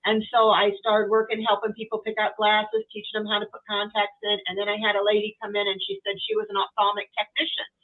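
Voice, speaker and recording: A woman's voice: medium pitch, monotone, fast talker, hardly any pauses. A middle-aged woman guest chatting casually on a live stream, telling stories and acting out what people said. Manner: chatty storyteller, acts out quotes. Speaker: guest tarot reader. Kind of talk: casual livestream chat. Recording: tinny phone-like call audio.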